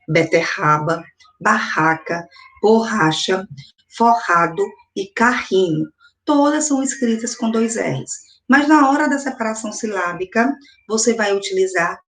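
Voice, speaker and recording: A woman's voice: mid-range voice, a bit bright. Brazilian woman teaching first graders. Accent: Brazilian Portuguese. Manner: slow, emphatic, repeats example words. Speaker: primary school teacher. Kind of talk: video lesson for first graders.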